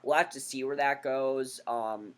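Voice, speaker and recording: A man casually reviewing a TV episode, blunt and opinionated, his voice hoarse after being sick. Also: medium pitch, fairly even intonation, measured pace, fairly bright tone. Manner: blunt, opinionated, repeats himself. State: hoarse from recent illness.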